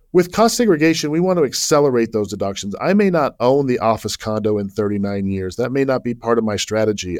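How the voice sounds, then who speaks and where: Recorded very cleanly against a silent background, a man with an American accent speaks at a moderate pace and medium pitch in a normal speaking voice. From Utah (Salt Lake City). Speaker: cost segregation expert. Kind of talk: interview.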